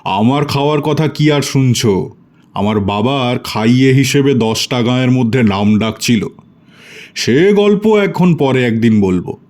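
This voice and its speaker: A man's voice: medium pitch, expressive, unhurried, darkish tone, lightly acted. A man voicing a genial, boastful village-born storyteller who reminisces proudly and chattily in an audio storybook. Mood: proud, amused.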